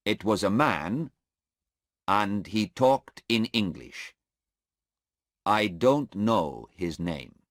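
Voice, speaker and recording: Guy reading as a nervous polite airport policeman, slow and unsure, dry sound. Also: lowish voice, lively intonation, dry recording, pitched above the performer's own voice, full character voice. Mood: hesitant.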